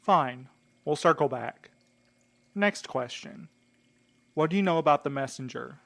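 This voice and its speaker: A man's voice: fairly high pitch, expressive, measured pace, creaky, a bit bright, exaggerated voice. Man playing a lighter-voiced, bitter interrogator. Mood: terse, suspicious. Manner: terse, accusing, sceptical. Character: guarded, bitter man pressing a captive for answers. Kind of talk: audio drama acting.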